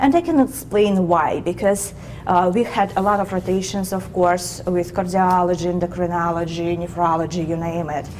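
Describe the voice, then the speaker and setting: Over noticeable background noise, a woman with a Russian accent speaks at a moderate pace in a fairly low voice, with fairly even intonation and hardly any pauses. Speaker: oncologist. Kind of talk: interview. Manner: halting.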